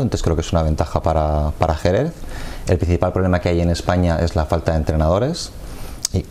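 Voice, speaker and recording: A man, a football coach explaining his sport in a measured way during a TV studio interview on a lapel mic. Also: sits low, mellow, slight background noise. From Madrid, Spain. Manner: measured, explanatory, gestures with hands.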